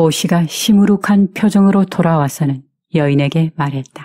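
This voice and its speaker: A woman with a dark, mellow, calm, soothing tone speaks at a fairly slow pace with lively intonation. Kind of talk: audiobook folktale narration.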